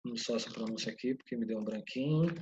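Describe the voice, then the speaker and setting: A man's voice: mid-range voice, quick pace, darkish tone, muffled recording, a little hiss or hum. Man teaching English. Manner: explains step by step, often checks in with "né?" and "ok?". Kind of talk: recorded online lesson.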